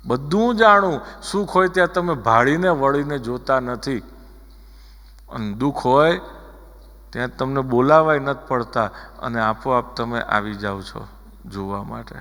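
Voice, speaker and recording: A man's voice: medium pitch, unhurried, a bit bright. A preacher voicing a pleading elderly queen. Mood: tender. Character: pleading elderly queen aunt, tender and sorrowful. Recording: hall reverb with music behind.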